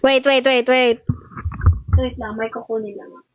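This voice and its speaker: High-voiced playful Filipino young woman. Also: steady tone, moderate pace. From Philippines. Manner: playful, mixes English with Tagalog. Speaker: idol livestreaming to fans. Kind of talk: casual chat with viewers. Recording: echoey, dull livestream audio with faint music.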